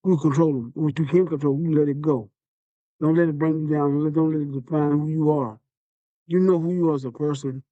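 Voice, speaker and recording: A man delivers a motivational podcast talk in a rapid, earnest rush, repeating himself to drive each point home. His words come out slurred from facial palsy, in a somewhat raised but dark, mellow voice. The dry, muffled lo-fi recording has no room sound. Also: a little high, dry recording. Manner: earnest, repetitive, encouraging. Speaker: podcast host. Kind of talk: motivational monologue.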